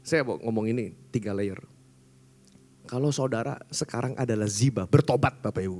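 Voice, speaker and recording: A man's voice: mid-range voice, moderate pace, a little mellow. A man pastor preaching a sermon in a casual, conversational storytelling manner. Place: church service.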